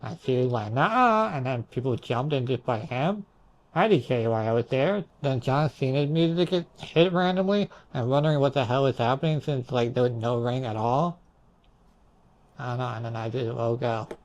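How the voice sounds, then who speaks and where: A man's voice: mid-range voice, moderate pace, a little mellow, muffled recording. A young man telling his dreams in a casual, rambling way, hazy and puzzled as he trails off into asides. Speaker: storyteller recounting own dreams.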